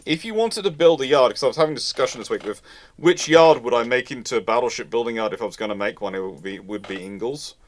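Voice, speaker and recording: A man's voice: medium pitch, lively intonation, fast talker. Male host for informal live history Q&A. Mid-range voice, rambling, repetitive, thinking aloud. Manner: rambling, repeats and rephrases himself. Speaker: host answering audience questions. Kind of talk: live question-and-answer chat on naval history.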